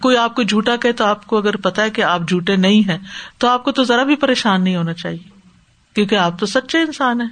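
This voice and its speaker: A man giving a Quran commentary lesson, explaining calmly and asking rhetorical questions, with English words mixed into his speech. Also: sits high. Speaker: Quran teacher.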